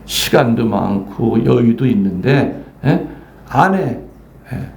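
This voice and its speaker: A man's voice: mid-range voice, expressive, slow, vocal fry, a little mellow, a little hiss or hum. An older man, a Catholic priest, giving a playful sermon, teasing the congregation and acting out voices in a folk story. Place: church. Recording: echoey church room, faint ambience.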